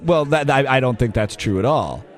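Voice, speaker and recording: A man's voice: medium pitch, expressive, normal speed, soft background music. A man hosting a comic radio show, teasing his guests with sarcastic, pushy questions.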